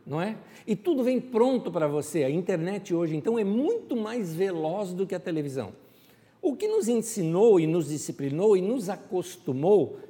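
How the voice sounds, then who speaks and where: A man's voice: high-pitched, mellow, long reverb tail. A man preaching a conversational sermon, reflective and asking his listeners rhetorical questions. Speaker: pastor. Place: church.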